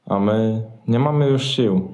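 A man's voice: lowish voice, unhurried, noisy background, natural voice. A man playing a tired, patient husband in a Christmas radio play, with a resigned manner. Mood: weary, resigned.

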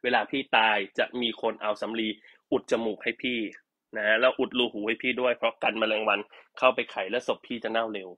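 A man's voice: mid-range voice, flat delivery, brisk, lo-fi sound. A man chatting casually and teasing jokingly while selling products on a live stream.

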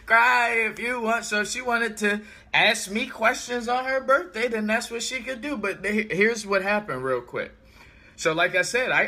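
An American man in his thirties chatting casually on a livestream, thinking out loud and telling stories with animated, emphatic repetition. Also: high-pitched. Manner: animated storytelling, repeats himself for emphasis. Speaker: vlogger. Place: small room indoors.

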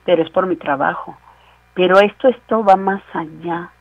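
A woman's voice: on the low side, normal speed, no room sound, phone-quality sound. A woman preaching on the radio. She talks in a conversational way, with frequent asides and rhetorical questions. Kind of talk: radio sermon.

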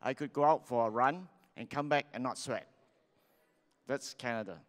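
A man's voice: medium pitch, normal speed. A middle-aged man from Singapore with a Singaporean English accent, giving a chatty seminar talk on stage into a handheld mic and asking the audience questions. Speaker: seminar speaker. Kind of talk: lively sales seminar talk. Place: large hall on stage. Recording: long hall reverb.

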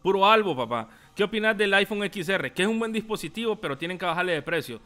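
Young Salvadoran male streamer, high bright voice, casual chat-reading delivery, faint music in the background. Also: animated, quick pace. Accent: Salvadoran Spanish. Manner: casual, reads chat messages aloud, laughs often. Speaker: tech YouTuber. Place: small room indoors.

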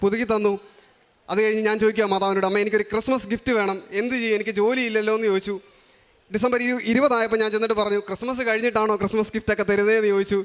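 A young man from Kerala giving an earnest, rushed personal religious testimony, often restarting his sentences. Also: high-pitched, flat delivery, fairly bright tone, clean tone. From Kerala, India. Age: young adult. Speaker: testimony giver.

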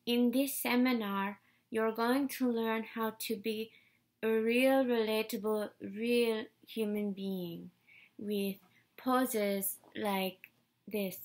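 Woman as a slow, affected lifestyle guru. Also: on the high side, steady tone, a little mellow. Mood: aloof. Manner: slow, posed, broken English grammar. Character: affected, self-serious social media lifestyle guru woman. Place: small room indoors.

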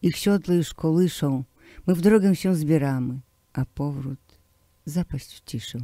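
Man reading poems for radio, slow and declamatory, mellow dark tone, dry close sound. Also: on the high side, creaky, dry recording. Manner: slow, declamatory recital with swelling emphasis. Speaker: poetry reader. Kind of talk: poetry recitation.

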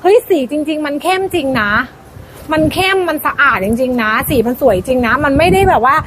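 Female live seller, high voice, insistent hype with repeated selling lines, slight background noise. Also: animated, a little fast, fairly bright tone. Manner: insistent, repeats phrases emphatically. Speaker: live-stream clothing seller. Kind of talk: fast hype live-sale pitch, casual. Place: shop front, camera moved toward outside.

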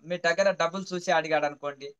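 A man's voice: a little high, steady tone, fast, fairly bright tone, smooth, dull audio. A man, a spiritual teacher who explains his points patiently through a parable, repeating phrases and checking that the listener understands.

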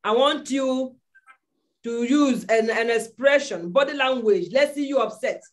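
A woman's voice: a little high, unhurried. A Nigerian-accented woman coaching an online acting class, giving commanding instructions and repeating her orders. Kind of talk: directing students in an online audition class. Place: indoor room, on a video call. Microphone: video call microphone.

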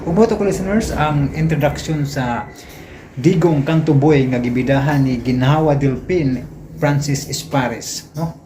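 A man's voice: a little high, measured pace, very noisy. A man with a Cebuano accent hosting a casual vlog, chatting to listeners and often tagging his phrases with a short question. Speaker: vlog host introducing radio dramas.

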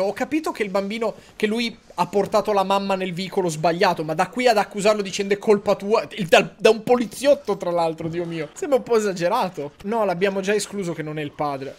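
High-pitched man reacting to a game. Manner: incredulous, sarcastic, animated reactions. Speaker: gaming streamer. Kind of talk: casual gameplay reaction commentary. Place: indoor room at a streaming setup.

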